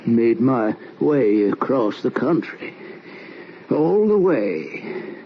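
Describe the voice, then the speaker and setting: Casting: a lost, stammering drifter, gravelly and slow, vintage radio hiss. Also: male voice, mid-range voice, big pitch swings, heavily acted. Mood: brooding. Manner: halting, rambling, stammering. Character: haunted, confused drifter man. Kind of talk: 1940s radio acting. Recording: dull old radio recording, faint hiss.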